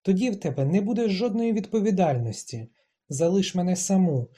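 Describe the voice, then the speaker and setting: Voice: mid-range voice, animated, fairly quick, husky, voice pushed up. Proud, stubborn young Helen, as a reader puts her on. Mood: angry. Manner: clipped, emphatic, rising to shouts.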